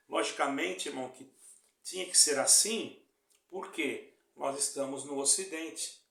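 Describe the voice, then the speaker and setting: A man's voice: on the high side, fairly bright tone. A man preaching an online sermon as an evangelist, earnest and repetitive, often checking that his listeners follow. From Brazil. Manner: earnest, repeats phrases, asks "tá entendendo?". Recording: echoey room.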